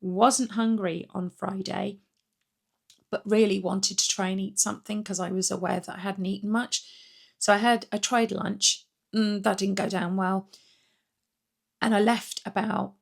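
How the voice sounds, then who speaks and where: Woman, middle-aged, croaky with a cold, gravelly, rambling casual vlog chat. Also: mid-range voice. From Britain. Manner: rambling, chatty, frequent ums and restarts. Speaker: weight-loss vlogger. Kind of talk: casual chatty vlog update.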